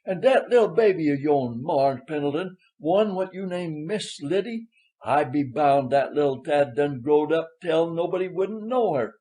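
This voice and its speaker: Man acting an old Southern countryman, emphatic, high-pitched. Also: expressive, measured pace, dark tone, low-quality recording. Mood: proud, hearty. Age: older. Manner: folksy dialect, emphatic, earnest. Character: elderly Southern man, former plantation servant, proud and loyal.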